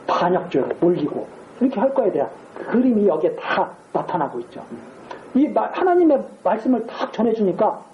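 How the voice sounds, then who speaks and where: Woman preaching with lively rhetorical questions. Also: fairly low pitch, echoey room, dull audio, a little hiss or hum. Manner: conversational, rhetorical questions, acts out quotes. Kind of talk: sermon. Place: church sanctuary.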